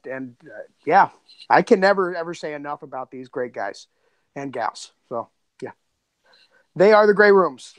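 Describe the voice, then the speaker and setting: Male podcast co-creator, high voice, loose and rambling conversational delivery, very dry sound. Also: no echo. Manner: rambling, repeats phrases. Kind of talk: casual chat.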